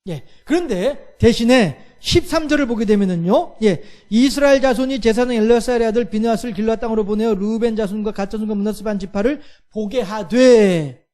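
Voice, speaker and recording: A male pastor with a strikingly high speaking voice delivers a sermon. He talks straight to the congregation, asks question after question and fills each pause with a short "yes". He acts out everyday quarrels in lively voices.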